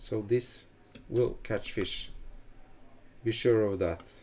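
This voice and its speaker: A man speaks in a Norwegian accent. His tone is dark and mellow, somewhat breathy. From Norway. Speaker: fly tying video creator. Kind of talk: tutorial.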